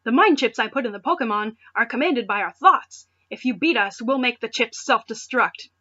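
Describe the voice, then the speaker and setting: A woman's voice: fairly high pitch, animated, sharp tone, muffled recording. A woman voicing a boastful, threatening boy inventor in a melodramatic amateur story reading. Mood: gloating. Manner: declaiming, drawn-out, melodramatic. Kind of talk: amateur fan fiction reading.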